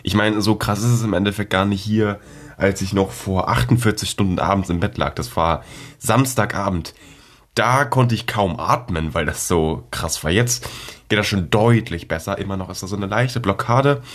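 A teenage boy with a fairly low voice rambles casually into a close podcast mic. He is sick with a cold, so his talk comes with coughs and a congested edge. His chat is loose and slangy, full of fillers and side remarks. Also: normal speed. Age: teens. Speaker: podcast host.

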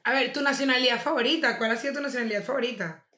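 A woman's voice: on the high side, rapid-fire, bright, forceful tone. Chatty woman in an echoey room. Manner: chatty, gossipy, laughs often. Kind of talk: casual chat. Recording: roomy echo.

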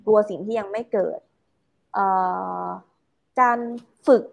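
In a relaxed, conversational way, a woman at a middle pitch talks through an idea, pausing with fillers and slipping in English words. It's casual explanatory chat, and the audio is poor.

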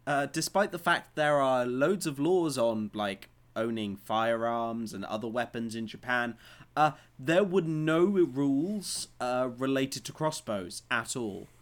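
A man's voice: medium pitch, expressive, measured pace. A man co-hosting a casual news chat, joking in a dry way with plenty of ums and uhs. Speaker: podcast co-host.

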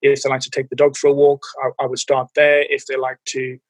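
A man's voice: medium pitch, completely flat delivery, brisk, no echo. A man in his forties with a mild, anglicized South African accent, a fitness and mental health coach answering interview questions with lots of ums and restarts. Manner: hesitant, many fillers and restarts.

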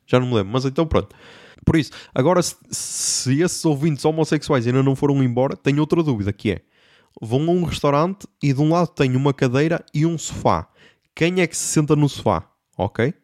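A young man with a European Portuguese accent rants through a comic anecdote, slangy and exasperated, with frequent swearing. His voice sits at a middle pitch, recorded dry and close. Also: darkish tone, dry recording. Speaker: podcast host. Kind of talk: comedic storytelling monologue.

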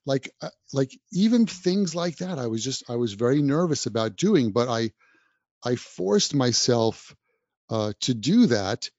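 A man's voice: medium pitch, very animated, unhurried, darkish tone, dry recording. A man who teaches English, giving encouraging podcast advice straight to the listener. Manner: encouraging, speaks directly to the listener. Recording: dull, dry, slightly lo-fi sound.

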